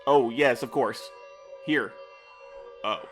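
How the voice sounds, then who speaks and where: An actor playing a timid, fussy courier with formal, fretful diction in an audio drama. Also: male voice, medium pitch, slow pace, music in the background, close to an everyday voice. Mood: flustered. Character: nervous, fussy, bookish man, a timid courier.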